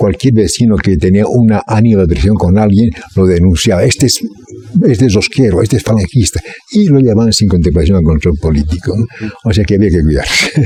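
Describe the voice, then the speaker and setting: Lively intonation and very even loudness mark this fairly quick delivery, heard over noticeable background noise. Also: man, fairly low pitch for a man. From Bolivia, Cochabamba. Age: 70s. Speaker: journalist. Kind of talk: interview. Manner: halting.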